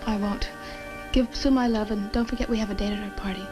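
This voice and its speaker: An actress playing an earnest, polite and determined young student in a 1960 horror film. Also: female voice, medium pitch, steady tone, fast talker, over loud music, lightly acted. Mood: affectionate. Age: young adult.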